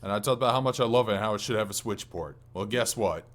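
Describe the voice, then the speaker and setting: A man's voice: lowish voice, fast talker, a bit bright. A man co-hosting a casual gaming podcast, talking enthusiastically in loose, slangy language with some mild swearing. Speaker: podcast co-host.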